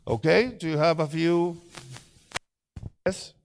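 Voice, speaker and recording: Middle-aged guy giving a conference talk to teachers, kinda high voice, chatty, throws questions at the crowd. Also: fairly even intonation, slow, vocal fry, slight background noise. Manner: engaging, asks the audience questions. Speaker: conference speaker.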